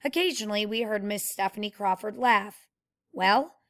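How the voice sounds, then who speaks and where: A woman reading a novel aloud in a steady, plain way and pausing to explain the story like a teacher. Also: mid-range voice.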